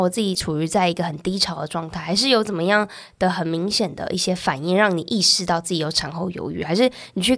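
A woman hosting a casual interview, asking curious follow-up questions with a Taiwanese Mandarin accent. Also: medium pitch. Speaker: podcast host.

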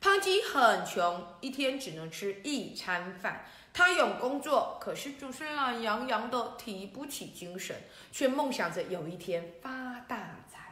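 A woman hosting a children's story show, telling stories in a lively, coaxing way to young listeners. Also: on the high side, unhurried, hardly any pauses. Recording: roomy echo.

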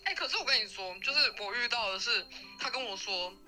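Very bright young Taiwanese woman guest. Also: on the high side, quick pace, soft background music, poor audio. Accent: Taiwanese Mandarin. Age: young adult. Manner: lively, laughing storyteller. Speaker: guest, university student. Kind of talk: casual interview chat.

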